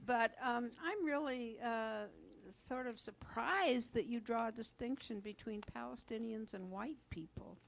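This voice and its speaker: A woman in the audience asking a hesitant, halting question after a talk. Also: a little high, creaky, a little hiss or hum.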